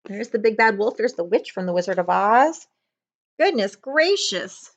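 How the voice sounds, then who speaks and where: A middle-aged woman reading a children's picture book aloud with expressive, dramatic storytelling and chatty asides. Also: medium pitch, normal speed, highs cut off. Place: living room couch, indoors.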